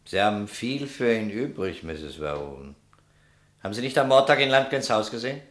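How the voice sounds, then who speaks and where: An actor playing a shrewd, insistent police detective in a German crime radio drama, asking pointed questions. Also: male voice, fairly low pitch, big pitch swings, moderate pace, a bit bright. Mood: coolly pressing.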